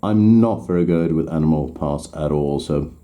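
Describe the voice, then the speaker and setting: With a mellow bass voice at a moderate pace, this man, whose first language is Swedish, walks through painting a miniature in English. He's hesitant, restarting and correcting himself as he goes.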